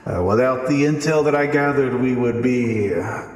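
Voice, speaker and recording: A man's voice: mid-range voice, normal speed, darkish tone, slight background noise. Man doing a beholder through a voice changer. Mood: relieved. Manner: casual, blunt, swears. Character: male beholder, toothy, friendly old ally. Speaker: game master. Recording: roomy echo with long reverb.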